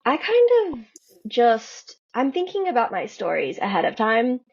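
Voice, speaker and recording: Husky, creaky-voiced woman in casual conversation. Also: fairly high pitch, big pitch swings, unhurried, highs cut off. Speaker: podcast guest, fiction writer.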